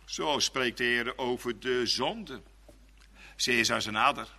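A man preaching a sermon, emphatic, dropping to low murmurs and then rising to loud stresses. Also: measured pace, long reverb tail.

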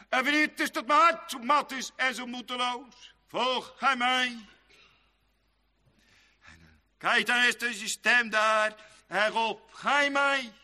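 A man preaching a sermon in a church, his high, bright voice ringing with a long hall reverb. He lingers slowly over his exhortations, rising loud and drawn-out, then drops into soft, quick asides.

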